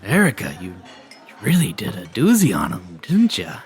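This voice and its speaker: A man voicing a folksy innkeeper in a comic fantasy skit, with a gravelly, stammering, old-fashioned way of talking. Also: lowish voice, wildly swooping pitch, normal speed, faint music behind. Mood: folksy, grateful. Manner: folksy archaic speech, stammering. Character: folksy male innkeeper, grateful, given to dramatics.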